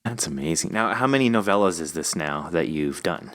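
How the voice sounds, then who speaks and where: A man hosting a casual interview, asking questions in an informal, slightly halting way. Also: sits low, lively intonation, fairly bright tone. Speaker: interview host.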